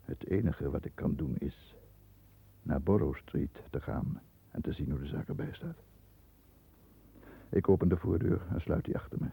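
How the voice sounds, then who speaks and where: Deep, gravelly, tense lawyer. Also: male voice, dark tone, heavily acted. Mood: tense, watchful. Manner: dramatic, deliberate, halting under strain. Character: London lawyer, tense, calculating, guilt-ridden brother narrating. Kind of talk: 1960s Dutch radio drama monologue, present-tense narration. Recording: dull lo-fi 1960s radio recording.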